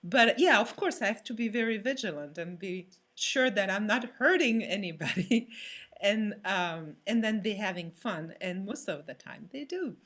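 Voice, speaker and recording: Female performer in interview, medium pitch, casual, halting and slightly non-native phrasing. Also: lively intonation, a bit bright. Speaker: stage actor, panel guest.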